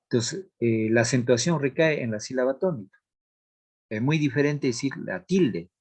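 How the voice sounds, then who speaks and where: A man teaching a grammar lesson, explaining rules slowly and deliberately, reading out examples and checking in with the class. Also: mid-range voice, lively intonation, a little mellow. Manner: asks checking questions of the class.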